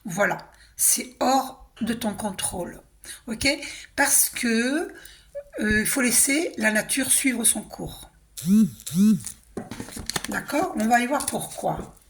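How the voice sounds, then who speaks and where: A hoarse woman giving a casual, reassuring spiritual card reading, often clearing her throat and asking "d'accord?". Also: a little high, takes it slowly, pauses often, background noise. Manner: chatty, reassuring, tag questions like hein and d'accord. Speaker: tarot and oracle card reader.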